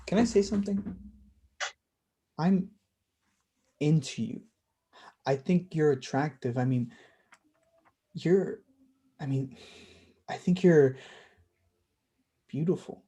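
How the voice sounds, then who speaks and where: A man's voice: a little high, slow, long pauses, dark tone. A man playing a shy, inexperienced, tender gay man in a staged play reading, searching hesitantly for his words. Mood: tender, earnest.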